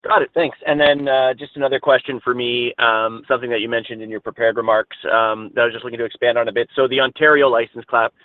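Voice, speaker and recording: A man's voice: medium pitch, fairly even intonation, fast, few pauses, no room sound. A man, a financial analyst, asking wordy, hesitant questions on an earnings call. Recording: dry, tinny phone line.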